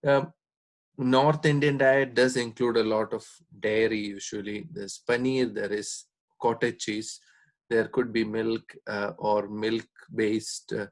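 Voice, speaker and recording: Guy with a lowish voice doing an informal explainer talk, kinda hesitant, lots of pauses. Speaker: Ayurvedic doctor giving a diet talk.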